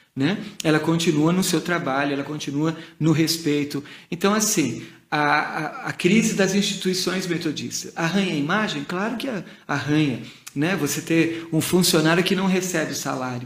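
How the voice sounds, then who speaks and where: A man with a high pitch and ordinary pitch variation talks at a moderate pace while noticeable background noise carries on behind him. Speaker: Methodist bishop. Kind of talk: casual interview chat.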